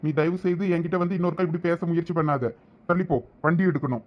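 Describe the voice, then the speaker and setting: Guy doing a high-voiced jealous young husband, dramatic, dull lo-fi sound. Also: fast, close to an everyday voice. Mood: cold rejection. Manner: dramatic, emotional delivery. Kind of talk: village web-series acting.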